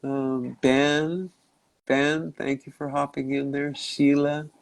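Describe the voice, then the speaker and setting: A man hosting a live stream in casual chat, congested from a cold, rambling and halting as he searches for words. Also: medium pitch, flat delivery, gravelly, no room sound. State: stuffy nose and cough from a cold. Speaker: livestream host. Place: his home in Mexico.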